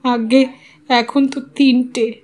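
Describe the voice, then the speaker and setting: Humble village carpenter, bereaved father, played by a woman narrator: halting, deferential mumble for an audio story. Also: sits high, little pitch movement, darkish tone. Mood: subdued.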